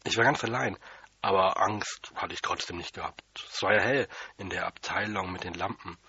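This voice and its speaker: A man's voice: deep voice, normal speed, bright, forceful tone, lo-fi sound. A man reading a children's story aloud in the first person, in a plain, childlike manner. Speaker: audiobook reader.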